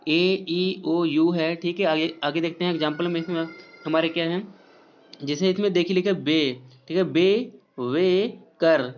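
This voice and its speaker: A man teaching English spelling rules, spelling out letters slowly and often checking in with his viewers. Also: high-pitched, clean tone. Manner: repeats "ठीक है" often, slow spelled-out letters. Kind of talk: explaining lesson to viewers. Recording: dull lo-fi recording.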